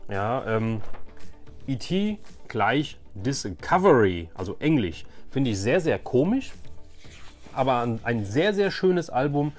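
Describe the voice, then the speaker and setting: A man in his forties presents a nostalgic show-and-tell with a medium-pitched voice. He is chatty and informal, repeating words for emphasis, with faint music behind him. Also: very animated, takes it slowly. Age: 40s. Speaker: YouTube host.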